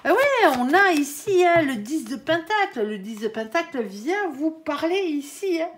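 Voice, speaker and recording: A woman in middle age gives a casual tarot reading, talking straight to her viewers and to her guiding angel. Her voice sits a little high and swings widely in pitch. She fills her sentences with little "hein" tags as she goes. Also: very animated, measured pace, a little hiss or hum. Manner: chatty, peppered with "hein". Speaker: tarot reader.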